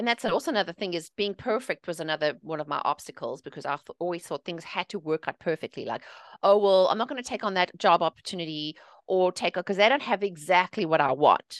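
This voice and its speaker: A woman with a South African accent talks very fast, the sound dry and close with no echo, over a quiet background. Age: 40s. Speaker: mindset coach. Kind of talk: interview.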